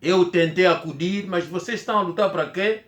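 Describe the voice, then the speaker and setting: An Angolan vlogger whose first language is Kikongo tells a personal story in Angolan-accented Portuguese, rambling and halting with many restarts. His voice is high and a bit bright, and the sound is roomy.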